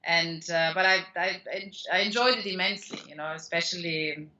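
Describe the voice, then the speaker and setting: A woman whose first language is German speaks with a clear German accent. Her voice is bright and a touch low, and she loops back through restarts and fillers as she answers. The sound comes through a dull, lo-fi line. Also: fairly even intonation, brisk. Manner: rambling, many restarts and fillers. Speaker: guest author. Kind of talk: conversational interview answers.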